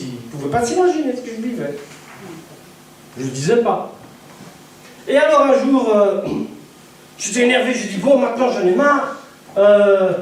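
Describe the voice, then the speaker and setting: A man preaching a sermon in a church, telling a personal story in an animated way and acting out the voices of the people in it. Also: sits high, slight background noise. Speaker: evangelist preacher. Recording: echoey church hall from a distant mic.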